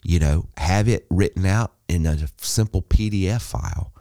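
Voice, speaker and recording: Deep mellow guy doing a solo business podcast, emphatic and persuasive, dry sound. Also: normal speed, gravelly, no room sound. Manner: emphatic, persuasive, lists in repeated phrases. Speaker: podcast host.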